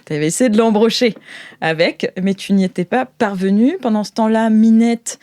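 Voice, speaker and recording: A woman's voice: on the high side, normal speed, darkish tone, no echo. A woman runs an improvised role-playing game as host. She narrates informally, searching for words and giggling easily, in a dry, close recording. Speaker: game master, show host.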